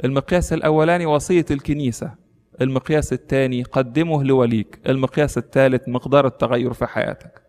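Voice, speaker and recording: A man's voice: mid-range voice, fairly even intonation, fast talker, a little mellow, big-room sound. A man with an Egyptian accent preaching a sermon, telling a story and earnestly urging the congregation. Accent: Egyptian Arabic.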